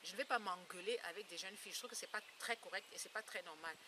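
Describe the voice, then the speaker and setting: A woman's voice: lowish voice, fast. A woman in her fifties speaking informally to her followers in an earnest, emphatic way, repeating phrases for emphasis. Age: 50s. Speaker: beauty blogger and campaigner against skin lightening. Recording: distant mic, clear background noise.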